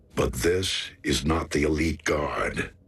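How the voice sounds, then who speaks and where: A man's cartoonish character voice, very deep and low in pitch, calm in tone, at a fairly slow pace. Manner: calm, deep and steady.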